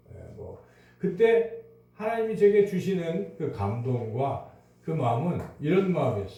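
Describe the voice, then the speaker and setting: A man at a moderate pace, his pitch swinging very widely, with audible room echo. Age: 60s. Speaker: pastor. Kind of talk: sermon. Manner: halting, many fillers.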